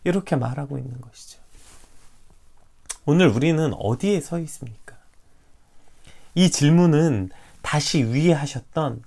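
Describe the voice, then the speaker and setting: A preacher giving a livestreamed morning devotional sermon, animated, asking the listeners questions and acting out quoted prayers. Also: medium pitch, measured pace, gravelly, long pauses.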